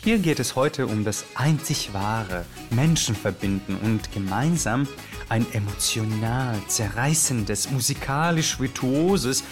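An actor playing an excitable, euphoric Yugoslav male radio host with a theatrical, rambling way of moderating a live show. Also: medium pitch, slow. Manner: theatrical, rambling, exuberant, switching from hushed to shouting. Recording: music behind the voice. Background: music.

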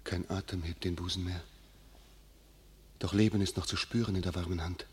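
An actor playing a devoted, anxious comrade in a classic radio play, speaking with hushed emotion. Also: male voice, deep voice, steady tone, moderate pace, husky. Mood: grief-stricken. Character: devoted comrade anxiously watching over fallen heroine.

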